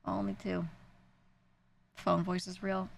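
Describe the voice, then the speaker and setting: A woman's voice: on the low side, level tone, slow pace, gravelly. A young woman with a New York accent, chatting casually on a stream, rambling and self-deprecating with frequent laughs. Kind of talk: casual stream chat answering viewers.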